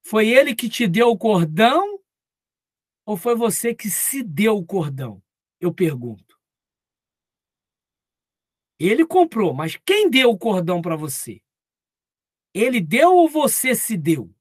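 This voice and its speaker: A man's voice: high voice, very animated, slow pace, pauses often, no echo, clean studio sound. A man preaching at a live Bible study, talking conversationally and acting out little dialogues. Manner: conversational, acts out quoted dialogue.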